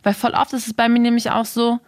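A woman's voice: on the high side, monotone, no echo, clean studio sound. Reflective young woman, podcast talk. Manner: reflective, drawn-out, self-described overthinker. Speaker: podcast co-host. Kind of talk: casual podcast chat.

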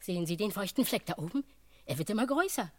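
An actress playing an excitable, easily frightened female cook who chatters in a breathless, gossipy way, in a radio play. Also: medium pitch, fast talker, slight background noise, close to an everyday voice. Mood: alarmed.

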